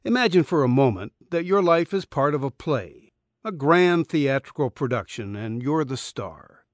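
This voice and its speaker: A middle-aged man reading a spiritual essay as an audiobook narrator, earnest and deliberate, close on a studio microphone in a small booth. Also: mid-range voice, very animated, dry recording. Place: small dim recording booth. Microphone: studio condenser microphone, close.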